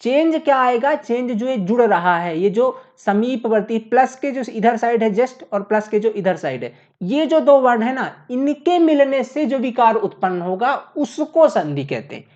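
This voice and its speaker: A woman lectures at a classroom board, explaining step by step, repeating points, and asking questions that she answers herself. Her voice is fairly high, animated, and a little mellow, at a measured pace with hardly any pauses, in lo-fi sound.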